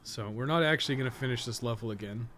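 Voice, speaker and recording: Over clearly noisy background ambience, a man talks through a game in a medium-pitched voice. His commentary is casual and unscripted, wandering as he thinks aloud. He pokes fun at himself and swears mildly. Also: quick pace, a bit bright. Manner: rambling, self-deprecating, thinking aloud. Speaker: podcast co-host and game streamer.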